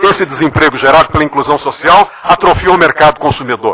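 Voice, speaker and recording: The voice moves at a fairly quick pace with ordinary pitch variation, over noticeable background noise. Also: man. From Brazil. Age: 60s. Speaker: law professor. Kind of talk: conference talk. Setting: conference hall with audience.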